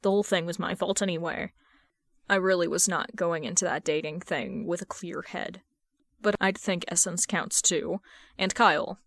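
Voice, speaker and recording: A woman's voice: on the low side, fairly even intonation, normal speed, gravelly, no echo. A woman reading the part of a bashful, earnest young man who streams, casual and mildly defensive, in an audiobook story.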